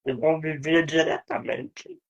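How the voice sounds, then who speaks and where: Slow-speaking podcast host. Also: male voice, on the high side, big pitch swings, muffled recording. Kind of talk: casual interview questions.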